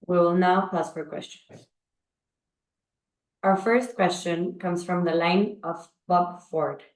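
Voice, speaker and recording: A woman's voice: on the low side, fairly even intonation, slow pace. A woman working as a conference call operator, reading scripted announcements in a formal, procedural manner. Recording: roomy, echoing call audio.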